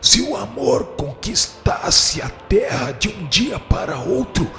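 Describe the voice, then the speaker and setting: A man acting a haughty dark spirit who judges the guilty in a radio drama, pompous, declamatory and scornful. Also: high voice, big pitch swings, slow pace, vocal fry, exaggerated voice. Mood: scornful, forceful. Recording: echoey hall reverb with music behind.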